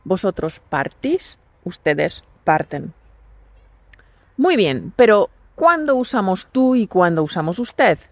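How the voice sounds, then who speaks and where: A woman teaching a scripted language lesson, clear and patient as she leads drills. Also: lowish voice, big pitch swings, takes it slowly, no room sound. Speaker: Spanish teacher.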